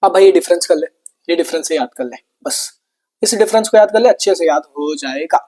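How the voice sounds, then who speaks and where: A man's voice: fairly high pitch, expressive, a little fast, darkish tone. Chatty Indian male science teacher. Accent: Indian English. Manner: chatty, repetitive, calls students brother. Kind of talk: online exam-prep lesson.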